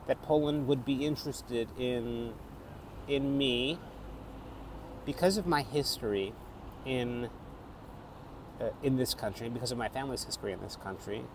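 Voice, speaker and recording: A middle-aged man with a North American accent, an actor reflecting on his life in a thoughtful, halting way with frequent restarts. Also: medium pitch, darkish tone, slight background noise. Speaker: actor and theatre maker. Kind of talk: reflective personal vlog.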